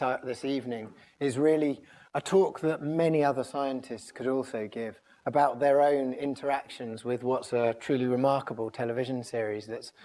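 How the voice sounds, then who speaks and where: A man's voice: mid-range voice, a little mellow. A scientist with an English accent giving a public lecture while losing his voice, talking in a loose, conversational way with many ums and restarts. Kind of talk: public talk. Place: lecture room.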